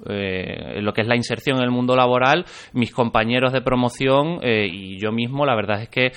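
A man's voice: mid-range voice, normal speed, a bit bright, clean tone. A young man from Extremadura in Spain, speaking as an interview guest in a thoughtful manner with frequent small restarts. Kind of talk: interview conversation.

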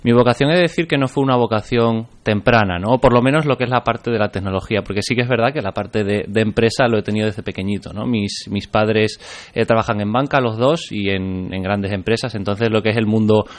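A young man from Extremadura, answering interview questions in an earnest, measured way with frequent restarts. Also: on the low side. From Plasencia, Extremadura, Spain. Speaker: interview guest. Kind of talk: conversational interview.

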